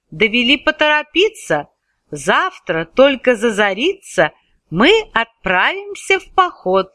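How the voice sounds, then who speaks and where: A woman voicing a wise, kindly little humpbacked magic horse in a storybook verse reading, gentle and coaxing. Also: high-pitched, dry recording, clean studio sound, full character voice.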